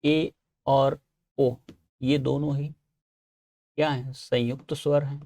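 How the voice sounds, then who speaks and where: A man's voice: mid-range voice, level tone, slow, mellow. A man teaching an online exam-prep lesson, explaining step by step and answering his own questions.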